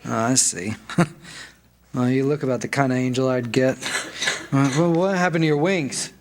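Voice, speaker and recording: A man acts out a bitter, worn-down family man in a staged radio play. He talks haltingly, repeating words, at a medium pitch, as someone at his wits' end. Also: noisy background, natural voice. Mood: wry.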